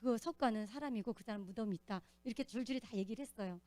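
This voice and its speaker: A woman giving an earnest, animated testimony as a church deacon, telling her story in a church. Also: fairly high pitch, quick pace, no echo.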